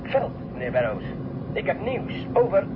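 A clipped radio-play officer calls in over a field radio, ending each terse report with "over". His voice sits high and swings widely. The transmission sounds dull and lo-fi, with clear noise behind it. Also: very animated, moderate pace.

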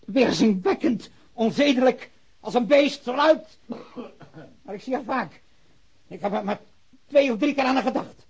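A man acting in a radio drama as a nervous, defensive murder suspect, a repressed shopkeeper with a husky, halting delivery. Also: very high voice, full character voice. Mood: agitated disgust. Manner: halting, stammering under pressure.

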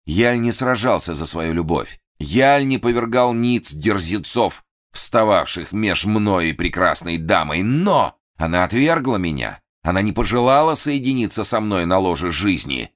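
A man's voice: low voice, very animated, a little slow, hardly any pauses, pitched above the performer's own voice. A man voicing a grandiose, mad theatre assistant who declaims in a pompous, menacing way in an audiobook. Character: grandiose madman stage assistant with pistol.

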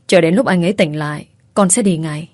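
Woman doing a young mother, soft pleading, dry close sound. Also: fairly low pitch, a little fast, no echo, close to an everyday voice.

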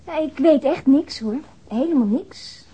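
A woman's voice: sits high, lively intonation, a little slow, mellow. An actress playing a casual, chatty, slightly uneasy young woman in a radio drama, informal and rambling. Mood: uneasy, defensive. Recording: dull, band-limited audio.

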